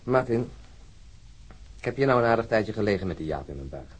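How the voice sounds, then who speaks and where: Radio crime drama: argumentative male policeman, wry and musing, low husky voice with lively swings. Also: brisk.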